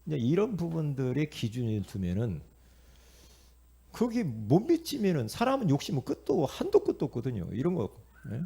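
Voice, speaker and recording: Middle-aged korean pastor preaching, gravelly and husky, swings his voice up and down a lot. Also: a little high, moderate pace. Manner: animated storytelling, acting out inner voices and quotes; repetitive, calls out to the congregation. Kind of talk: sermon.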